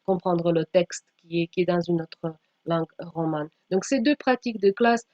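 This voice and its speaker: A woman with a lowish, mellow voice presents slides as a teacher trainer, pausing frequently, speaking haltingly and sometimes reading out loud. Sound quality is dull, with noticeable room echo.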